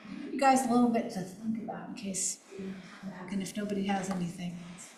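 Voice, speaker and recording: A woman chairing a committee meeting over a video call. She talks quietly and haltingly, with many fillers. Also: mid-range voice. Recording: echoey room, faint noise.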